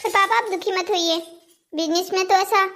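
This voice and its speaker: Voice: very high-pitched, normal speed, sharp tone, slight background noise, exaggerated voice. A performer voicing a cheeky, childish boy who pleads and argues brazenly in a cartoon moral story. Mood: earnest excuses. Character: cheeky, childish cartoon boys making earnest excuses.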